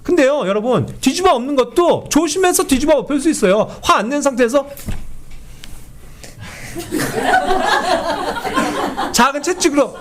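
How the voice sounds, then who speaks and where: A man teaching a Bible study in an animated way, who keeps asking his listeners to agree and acts out quoted speech. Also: extremely high pitch, quick pace, few pauses, very noisy. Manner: animated, often asks the group for agreement.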